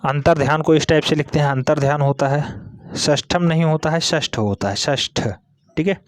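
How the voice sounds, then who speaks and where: A man's voice: fairly high pitch, fairly quick, dry recording. Man drilling spellings, dry sound. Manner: drilling, repeats each word several times; spells out words letter by letter. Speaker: teacher. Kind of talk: exam-prep Hindi lesson.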